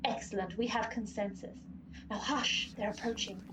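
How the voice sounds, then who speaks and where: A woman's voice: mid-range voice, fairly even intonation, moderate pace, background noise, natural voice. A woman playing an eloquent, scheming white horse of pestilence in a comic radio play, grandiose and silky. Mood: coolly persuasive.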